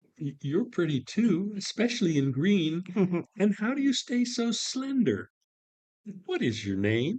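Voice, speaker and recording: Putting on a character voice, a soft-spoken man talks at a fairly slow pace in a high pitch. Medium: read story. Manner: soft, shy.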